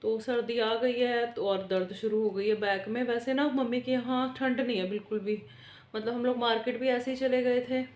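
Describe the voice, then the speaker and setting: A woman's voice: fairly high pitch, steady tone, normal speed, a little mellow. A woman, chatting casually at home for a family vlog into a phone camera. She rambles on and laughs between sentences. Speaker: family vlogger. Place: at home indoors. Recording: echoey room.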